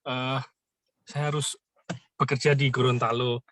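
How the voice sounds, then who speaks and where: Bright-voiced Javanese-accented man, hesitant. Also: medium pitch, little pitch movement, no room sound. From Java. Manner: hesitant, many filler "eh" pauses. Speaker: student asking a question.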